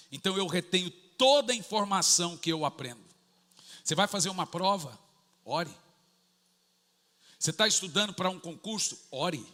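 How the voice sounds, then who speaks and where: A man in his forties with a Brazilian Portuguese accent, preaching a sermon and acting out funny family stories. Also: on the high side. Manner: animated storytelling, jokey, acts out family dialogue. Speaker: pastor. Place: large church hall. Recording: echoey church hall.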